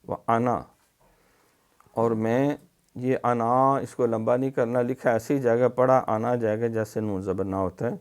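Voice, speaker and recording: Smooth-voiced man drilling recitation sounds. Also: medium pitch, fairly even intonation. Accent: Pakistani Urdu. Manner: drills letter sounds slowly, then explains; stretches syllables, louder on drills. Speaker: Quran recitation teacher. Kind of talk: recorded tajweed lesson.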